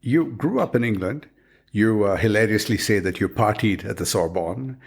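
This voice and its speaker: A man hosting a literary interview, asking measured, wry questions. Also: fairly low pitch, expressive, gravelly, breathy edge. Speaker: interview host.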